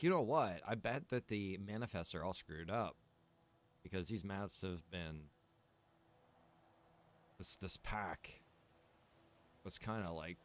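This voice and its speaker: A man with a somewhat low-pitched voice talks casually as a game streamer. He rambles and thinks aloud, circling around his point in an informal way. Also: fairly bright tone. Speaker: streamer and server developer. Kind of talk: casual gaming stream chat.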